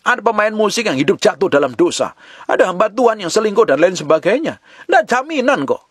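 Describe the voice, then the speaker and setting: A man preaching a sermon with passion, calling out to the congregation and slowing down to stress key phrases. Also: sits high, sing-song, fairly bright tone, breathy edge, no room sound, clean studio sound. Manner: impassioned preaching, calls out to the congregation. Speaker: pastor.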